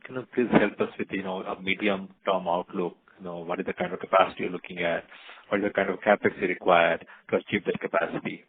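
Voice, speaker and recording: Fast, creaky Indian man on phone. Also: low voice, fairly even intonation. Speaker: analyst asking questions. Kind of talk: polite earnings call questioning. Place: conference call by phone. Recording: narrow tinny phone line.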